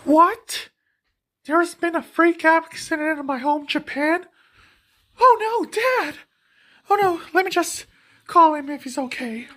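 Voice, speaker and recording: A woman's voice: extremely high pitch, slow pace, long pauses, a bit bright, full character voice. A woman voicing an anxious, dramatic young girl in a cartoon parody. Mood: distressed.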